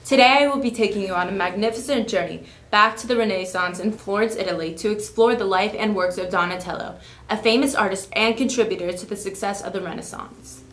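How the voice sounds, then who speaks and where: A woman's voice: mid-range voice, a little fast, a bit bright. A woman opening a mock history programme with a formal scripted introduction. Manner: formal presenter delivery. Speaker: presenter. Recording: roomy, slightly noisy.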